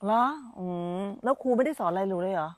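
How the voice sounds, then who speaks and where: A woman's voice: mid-range voice, quick pace, darkish tone, no echo. A woman meditation teacher giving an informal dharma talk on a live stream, chatty and repeating her phrases as she talks with children around her.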